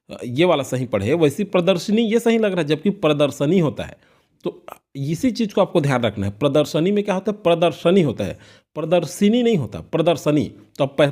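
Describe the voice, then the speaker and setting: A man's voice: on the high side, a little mellow. A male teacher giving an exam-prep lesson, asking and answering his own questions and repeating key words.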